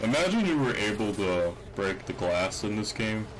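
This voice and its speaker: At a moderate pace and with fairly even intonation, a man talks through noticeable background noise and audible room echo. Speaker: gaming streamer. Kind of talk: gameplay commentary. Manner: casual, rambling with fillers. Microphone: mic audio gets loud, bad audio.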